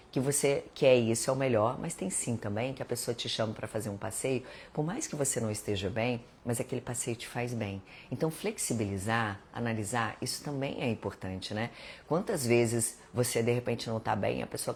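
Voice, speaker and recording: A woman's voice: very deep voice, darkish tone, slight background noise. Chatty Brazilian woman giving life advice. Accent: Brazilian Portuguese. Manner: chatty, conversational, addresses viewers as gente, acts out little dialogues. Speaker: live stream host. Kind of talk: casual self-help talk.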